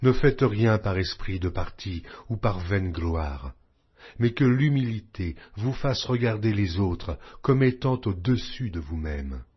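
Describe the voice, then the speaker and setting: A man giving a solemn, scripted audiobook reading of scripture in measured, declamatory phrases. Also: on the low side, animated, breathy edge. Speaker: audiobook Bible reader. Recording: dull, lo-fi audio.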